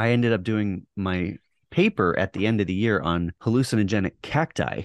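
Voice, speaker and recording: Very deep and low, a man's voice carries an American accent with ordinary pitch variation. The background is quiet. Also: dry, close sound with no echo. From Texas. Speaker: biologist and wildlife educator. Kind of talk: interview conversation.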